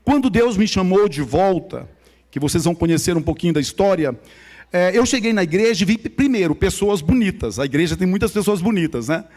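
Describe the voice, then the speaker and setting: This guest speaker at a church, a man from São Luís in Maranhão, Brazil, has a high, expressive, brisk and slightly mellow voice. He narrates his personal testimony in Maranhão-accented Brazilian Portuguese, chatting directly with the audience.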